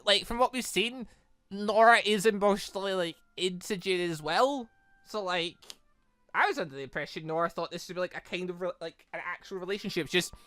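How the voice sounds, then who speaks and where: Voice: mid-range voice, bright, forceful tone, no room sound. A let's play host giving emotionally reactive, rambling commentary on a story game. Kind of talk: playthrough commentary mixed with read-aloud dialogue.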